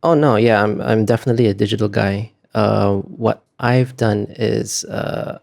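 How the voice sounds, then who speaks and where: A man answering interview questions in a casual, explanatory way, halting often with pauses and fillers as he talks. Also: lowish voice, steady tone, vocal fry, darkish tone. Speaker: interview guest, visual artist.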